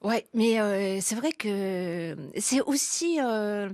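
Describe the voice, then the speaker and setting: A Japanese woman in her fifties with a Japanese accent, speaking French as a second language in a radio interview, halting and full of fillers and restarts. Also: mid-range voice, lively intonation, a little mellow, dry recording, clean studio sound. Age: 50s. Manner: hesitant, many fillers and restarts, laughs often. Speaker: guest writer.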